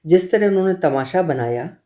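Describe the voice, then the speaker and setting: A woman's voice: on the low side, expressive, normal speed, warm tone, lightly acted. A man reading a young woman, pleading and firm. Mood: defiant. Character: troubled young woman, torn and stubborn.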